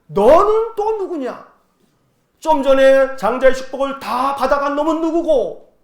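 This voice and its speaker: A man's voice: very high-pitched, animated, measured pace, echoey room, pitched above the performer's own voice, exaggerated voice. A man voicing a suspicious old blind father who questions and demands in a sermon retelling.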